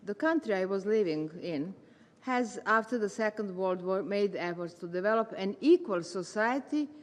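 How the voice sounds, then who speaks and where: A woman, a retired English teacher giving a measured, formal prepared speech as a volunteer. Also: medium pitch, animated. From Serbia. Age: 70s. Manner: measured, formal delivery with careful phrasing. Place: large meeting hall. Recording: long hall reverb.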